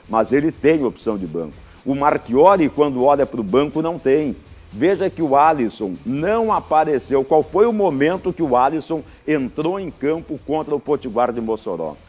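A man's voice: mid-range voice, a little mellow. A middle-aged Brazilian man giving football analysis on a TV studio show, emphatic, repeating his points, with folksy sayings. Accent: Brazilian Portuguese. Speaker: football commentator. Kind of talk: live TV sports analysis.

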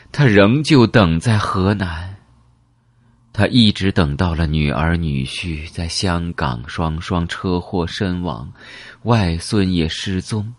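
Male audiobook narrator, very deep and husky, dry close mic, emotive reading. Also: dry recording. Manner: emotive storytelling, first-person.

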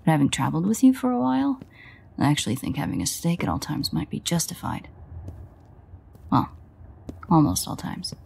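Woman playing a breathy, husky, sardonic vampire woman. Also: low-pitched, huge pitch swings, moderate pace, long pauses, darkish tone, exaggerated voice. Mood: wry. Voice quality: breathy, husky, often near a whisper. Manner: sarcastic, profane, grumbling. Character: sardonic, exasperated female vampire, reluctant ally. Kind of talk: audio roleplay addressed to the listener.

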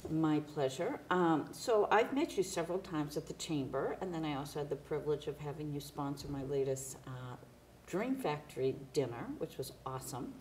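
An older woman hosts a local studio interview show, introducing her guest with praise before asking her questions. Her voice sits low for a woman, with a faint hiss under the studio sound. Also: moderate pace. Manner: warm, complimentary introductions. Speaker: TV interview host. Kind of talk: interview hosting. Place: small TV studio, seated at a table.

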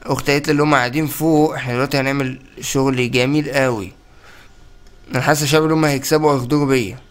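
A young man with an Egyptian accent giving excited, playful commentary while playing a game, teasing and laughing often. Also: mid-range voice, very fast. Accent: Egyptian Arabic. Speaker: gaming channel host.

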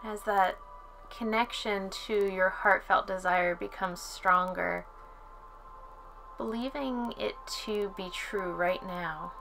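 Soft background music plays distinctly beneath a woman guiding a relaxation session. She talks very slowly and soothingly at a medium pitch, pausing at length between phrases in the manner of a yoga teacher.

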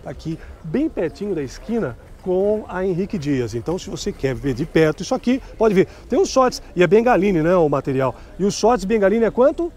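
A middle-aged Brazilian man with a high, sing-song, slightly mellow voice talks briskly with hardly a pause. Touring a nighttime street market on camera, he keeps asking vendors for prices and chattily pitches the clothes.

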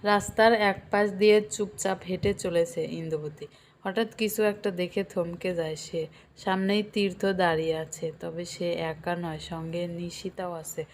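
A woman reading a romantic story aloud as storyteller, voicing every character herself and rising to shrill cries in the quarrels. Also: steady tone, normal speed. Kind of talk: scripted narration of a romantic story. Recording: audible background noise.

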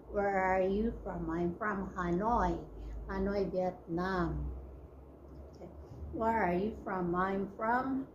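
A woman's voice: on the low side, muffled recording, background noise. Woman teaching English phrases. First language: Korean. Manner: repeats phrases slowly, switching between English and Korean. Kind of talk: bilingual language lesson. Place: small indoor classroom with whiteboard.

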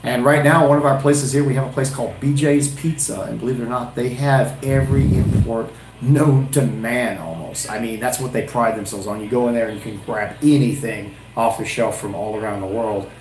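A man's voice: mid-range voice, steady tone, fairly quick, few pauses, noisy background. Rambling man chatting in a roomy room. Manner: rambling, thinking aloud with many restarts. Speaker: beer reviewer and channel host. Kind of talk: casual live-stream chat. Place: small wood-paneled room indoors.

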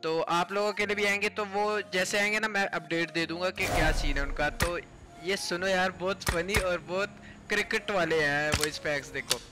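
A man's voice: high-pitched, fairly even intonation, normal speed. A man giving casual gameplay commentary in a voice-over. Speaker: gaming video creator. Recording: music bed under voice. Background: background music.

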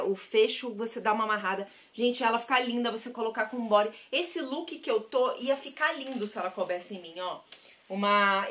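A woman's voice: a little high, fairly bright tone. Gushing Brazilian woman showing thrift finds. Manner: chatty and gushing, repeats praise words; addresses viewers directly as "gente". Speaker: thrift-shop vlogger. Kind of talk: casual haul chat to camera.

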